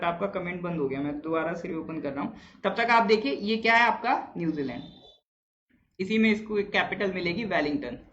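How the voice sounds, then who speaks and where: A man's voice: sits high, fairly bright tone, highs cut off, slight background noise. A man teaching a live online exam-prep class, chatting with viewers, reading out their answers and quizzing them.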